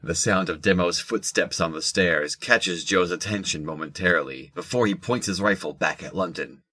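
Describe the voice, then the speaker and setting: A man's voice: deep voice, normal speed, bright, forceful tone. A man reading scripted third-person narration for an audio drama.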